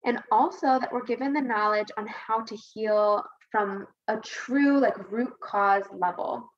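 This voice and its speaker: A woman's voice: a little high, measured pace, highs cut off. A woman podcast guest talking casually and earnestly, rambling a little and repeating points for emphasis. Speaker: podcast guest, women's health advocate. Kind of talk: casual conversational interview answer.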